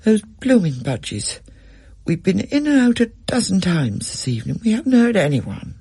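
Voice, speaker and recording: A man's voice: high voice, big pitch swings, normal speed, mellow, husky, no room sound, voice pushed up, full character voice. A man voicing a worried, frightened mother in a storybook reading, speaking in anxious confiding tones.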